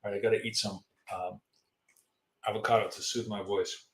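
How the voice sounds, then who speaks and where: A man hosting a long live trading stream, rambling casually through market commentary and viewer questions, his voice going hoarse. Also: lowish voice, level tone, fairly quick, reverberant.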